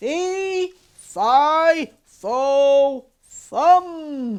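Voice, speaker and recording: This is a put-on character voice. It sits high in pitch. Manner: fierce, menacing.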